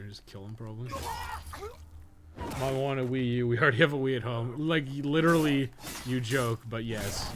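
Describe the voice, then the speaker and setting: A man's voice: medium pitch, noisy background. A man rambling casually on a gaming live stream, swearing often as he talks. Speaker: gaming streamer and podcast co-host. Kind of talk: casual live-stream chat while playing.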